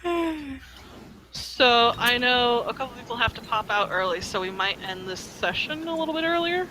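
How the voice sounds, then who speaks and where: A game master talking casually with players before a tabletop session. The delivery is relaxed and hesitant, full of ums, from someone not feeling well. Clear background noise runs under the voice. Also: mid-range voice, normal speed, poor audio. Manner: relaxed and accommodating, many ums. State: feeling unwell.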